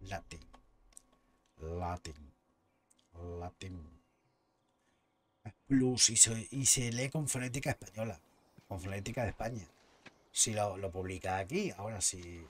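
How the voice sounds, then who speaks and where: A man's voice: on the low side, normal speed, slight background noise. A man from Spain with a Spanish accent, chatting casually and swearing freely as he comments on his gameplay. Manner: chatty, swears freely, bursts out loudly at surprises. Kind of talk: casual let's-play commentary.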